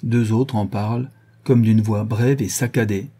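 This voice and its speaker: A man reading an audiobook, voicing a young gentleman detective who lays out his reasoning in a calm, measured, lecturing way. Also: lowish voice, husky. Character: young male gentleman detective, cool and methodical.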